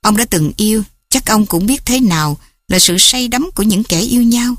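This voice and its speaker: A woman's voice: mid-range voice, expressive, normal speed, no room sound, clean studio sound. A woman voicing an earnest young man pleading with his love's father.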